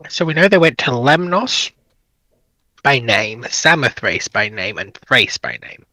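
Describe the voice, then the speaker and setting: Male panelist, bright mid-range voice, precise and measured in casual debate. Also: mid-range voice, big pitch swings, dry recording. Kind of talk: casual history discussion.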